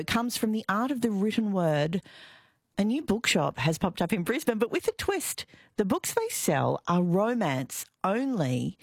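A woman's voice: medium pitch, no echo. A woman hosting a live radio show, chatty and informal, reading quiz clues and introducing stories. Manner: chatty, lively, informal asides. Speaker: radio presenter. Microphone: studio microphone.

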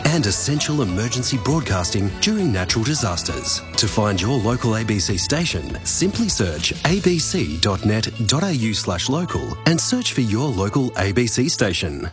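Male promo voice, slightly low, animated read over clear music. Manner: polished, lively delivery. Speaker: station promo announcer. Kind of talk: scripted radio promo.

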